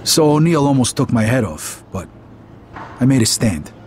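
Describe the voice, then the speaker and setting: An actor playing a young hood, streetwise and wisecracking. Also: male voice, medium pitch, sing-song, normal speed, darkish tone, a little hiss or hum, natural voice. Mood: reflective. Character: young male Italian-American hood, cocky.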